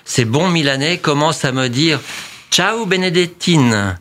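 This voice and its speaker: A man's voice: on the high side, expressive, unhurried, fairly bright tone. A man talking as a studio guest on a radio show, chatty and full of asides. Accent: French. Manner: chatty, peppers talk with "tu vois". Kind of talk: casual radio chat.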